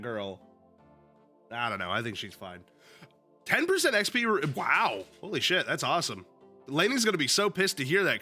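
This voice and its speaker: A man's voice: medium pitch, bright, forceful tone. A young man with a sniffly, slightly sick voice, chatting casually at home and reading a book aloud on a stream, joking and swearing freely. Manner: loose, joking, swears freely, lots of fillers. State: sniffly, still a little sick. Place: at home with his dog.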